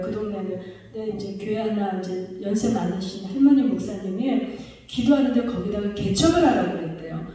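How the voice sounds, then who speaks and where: A woman's voice: a little high, dark tone. A woman pastor preaching a sermon, often putting questions to her congregation. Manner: asks the congregation rhetorical questions. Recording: echoey hall, voice from far off.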